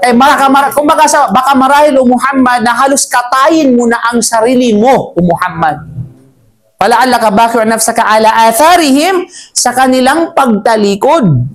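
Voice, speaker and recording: A woman giving a Quran commentary lesson to a live group, lively and chatty, who chants verses quickly and jokes with her listeners. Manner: lively, chatty teaching voice that swings up high for emphasis; chants Arabic verses quickly between explanations. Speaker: Islamic teacher.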